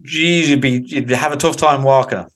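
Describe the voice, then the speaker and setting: A man's voice: medium pitch, steady tone, moderate pace. A young Irish man co-hosting a podcast, bantering in a dry, teasing way. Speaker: podcast co-host. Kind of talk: casual chat.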